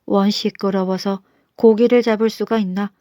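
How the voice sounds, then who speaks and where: A woman voicing a humble old male minister in a storybook folktale, calm and plain-spoken, stern when he scolds. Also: medium pitch, moderate pace, no echo, studio quality, close to an everyday voice.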